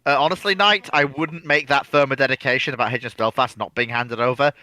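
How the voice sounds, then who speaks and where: A man's voice: medium pitch, fairly even intonation, quick pace, bright, forceful tone, no echo. A man co-hosting a discussion in a casual, chatty way. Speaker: co-host discussing viewer questions. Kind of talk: casual chat.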